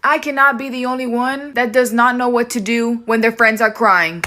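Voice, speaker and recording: A woman's voice: a little high, steady tone, normal speed, noisy background. A woman in a clip, musing awkwardly and self-mockingly in casual talk.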